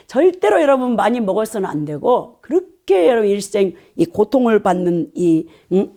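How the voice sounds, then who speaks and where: A woman pastor with a mellow, higher-pitched voice preaches a sermon, telling stories animatedly. She checks in with the congregation through quick "eh?" asides.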